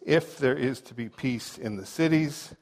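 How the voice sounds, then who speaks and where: A man from New Hampshire, a pastor who gives a chatty sermon full of personal stories, and he slows down to read quotations. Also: mid-range voice, a crowd in the background. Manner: conversational and joking, reads quotes slowly. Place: large church sanctuary. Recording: long reverb of a big hall.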